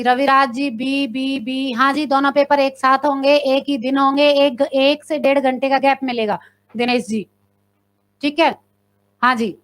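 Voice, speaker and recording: A woman's voice: high-pitched, a bit bright. A woman teacher leading a live exam-prep class, reading out questions and options, quizzing her viewers and confirming their answers. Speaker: Hindi teacher.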